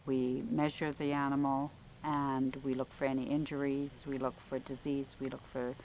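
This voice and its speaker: A woman's voice: very deep voice, flat delivery, moderate pace, darkish tone, slight background noise, rough recording. A woman researcher explaining her fieldwork carefully, step by step, in a documentary interview. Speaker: wildlife researcher.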